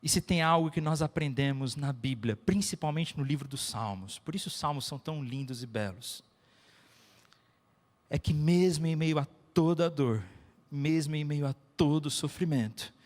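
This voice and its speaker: A man's voice: fairly high pitch, normal speed. A Brazilian man preaching a sermon with personal stories, emphatic and repeating phrases for effect. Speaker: pastor. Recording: echoey hall with long reverb.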